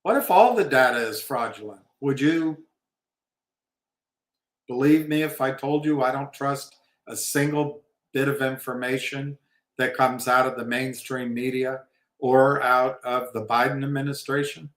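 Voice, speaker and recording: Slow, rambling man in a roomy room. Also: mid-range voice, a bit bright. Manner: rambling, opinionated, wry asides. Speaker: livestream host. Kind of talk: casual livestream talk on markets. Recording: roomy echo.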